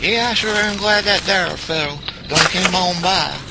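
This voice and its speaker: A man playing an excitable backwoods country sidekick with a rural Southern US accent in an audio drama. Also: sits high, moderate pace, creaky, heavy background noise. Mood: doubtful.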